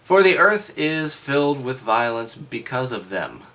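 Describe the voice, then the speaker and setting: Male reader-commentator, mid-pitched, just out of bed; casual, halting read-aloud with dry, doubting asides. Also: big pitch swings, sharp tone. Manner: skeptical, wry asides. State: just woke up. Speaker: host reading aloud and commenting.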